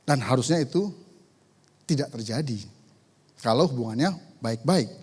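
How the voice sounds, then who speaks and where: A man's voice: medium pitch, expressive, moderate pace, a little mellow, slightly rough. A man preaching a sermon as pastor, moving between conversational asides and emphatic declarations. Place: church sanctuary. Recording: church hall reverb.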